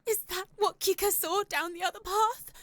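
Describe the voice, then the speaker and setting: Anxious young female traveller, visual novel: extremely high voice, earnest, faltering, nervous. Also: steady tone, moderate pace. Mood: uneasy surprise. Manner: hesitant, nervous. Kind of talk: visual novel game voice acting.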